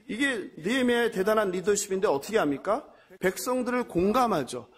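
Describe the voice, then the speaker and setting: A male pastor with a high-pitched, expressive voice preaches at a fairly quick pace. He poses questions to the congregation and answers them himself, sometimes acting out the mocking voices of the enemies in the passage.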